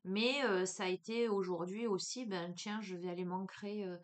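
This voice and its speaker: A woman with a Marseille accent giving a spiritual card reading, talking casually and warmly to the listener with lots of fillers and restarts. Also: medium pitch, steady tone, normal speed. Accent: Marseille French. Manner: chatty, hesitant, many fillers, addresses listener as tu. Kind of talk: casual spiritual guidance talk.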